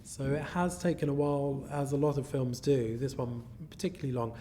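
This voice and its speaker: Mellow-voiced man reflecting calmly. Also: medium pitch, slight background noise. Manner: reflective, measured. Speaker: producer and writer. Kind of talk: relaxed interview talk.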